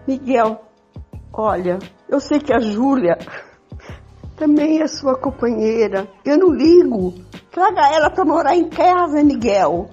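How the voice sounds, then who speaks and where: Older lady doing a pleading jealous radio soap wife, high voice that swoops around, muffled audio. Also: expressive, unhurried, a little mellow. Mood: insistent. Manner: pleading, melodramatic, repetitive. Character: pleading, jealous wife, melodramatic but accommodating. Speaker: amateur participant in a radio play. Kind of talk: improvised amateur radio soap opera acting. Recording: dull lo-fi audio with music.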